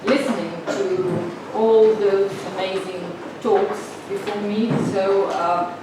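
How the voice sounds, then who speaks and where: A woman lectures a summer seminar at a slow, patient pace, sprinkling her English with filler sounds. She speaks in a very reverberant room, picked up from a distance. A steady hiss of noise sits under her voice. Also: medium pitch. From northern Slovenia. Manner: unhurried, many filler sounds, inviting. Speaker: guest lecturer. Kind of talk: seminar lecture with questions to the audience. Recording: very echoey room, mic far off, noisy.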